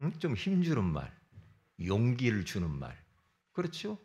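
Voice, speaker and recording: A middle-aged man preaching a sermon to his congregation. He swings between loud emphatic bursts and low asides. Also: wildly swooping pitch, moderate pace. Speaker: pastor.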